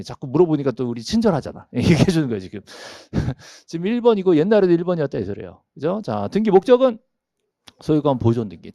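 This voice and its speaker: A man's voice: on the high side, gravelly, dark tone, no echo, clean studio sound. A middle-aged man giving a classroom lecture on property registration law, asking himself questions and chuckling often. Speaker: real estate law lecturer.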